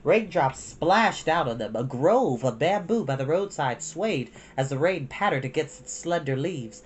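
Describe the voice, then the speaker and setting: A woman reading a children's storybook aloud in an expressive narrating style. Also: sits low, measured pace, a little hiss or hum. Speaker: storytime reader.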